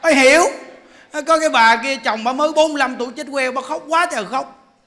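High-voiced joking monk. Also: male voice, fast, a little hiss or hum. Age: 40s. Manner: animated, joking storyteller. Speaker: Buddhist monk teacher. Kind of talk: sermon.

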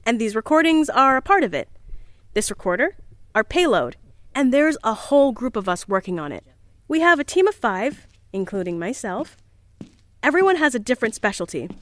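Chirpy, animated, earnest young woman. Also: sits high, dry recording. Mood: excited. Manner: bubbly, gushing, hesitant when flustered. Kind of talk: audio drama, recorded diary.

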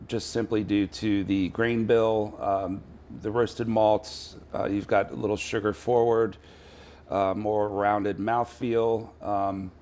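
A middle-aged man, a chef, casually talking through a recipe at a pub bar with plenty of ums and uhs. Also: lowish voice. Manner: relaxed, many ums and uhs. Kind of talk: casual cooking demo.

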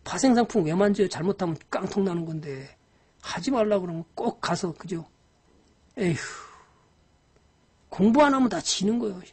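A woman's voice: medium pitch, lively intonation, normal speed, pauses often, mellow, slightly rough. A woman giving a live-streamed lecture on stock investing. She talks to viewers directly in a scolding, exasperated way, with frequent sighs.

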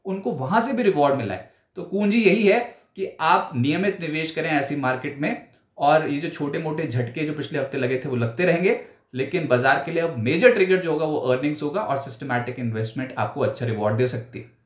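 Man in his 40s, market news anchor, brisk emphatic delivery, slightly high voice, echoey studio. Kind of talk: stock market roundup commentary. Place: indoor studio before a branded backdrop.

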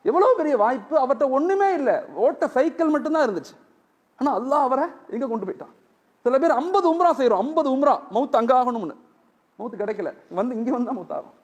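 High-pitched guy preaching a sermon, super animated, acts out the dialogue in his stories. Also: fast talker. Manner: animated storytelling, acting out dialogue. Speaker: Islamic preacher.

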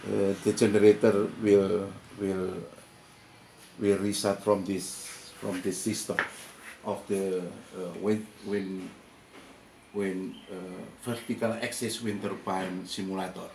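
An older Indonesian man, whose first language is Indonesian, gives a halting English tour of his lab projects in a garden workshop, moving indoors and outdoors. His low, level voice is slow and dark-toned, hesitant with many fillers, repeated words and restarts. A nearby handheld camera captures echoey audio with clear background ambience and slight noise.

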